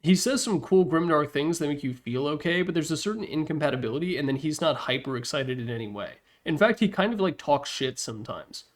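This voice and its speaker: A man's voice: a little high, lively intonation, a little fast, hardly any pauses. A man presenting a ranking video with casual, opinionated commentary, informal and mildly profane, with wry asides. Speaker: presenter of a tier list slideshow video.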